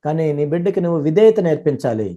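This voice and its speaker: Rapid, dark-toned male interpreter. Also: fairly high pitch, very animated, muffled recording. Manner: rapid, fluent, running sentences together. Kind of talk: live sermon interpretation.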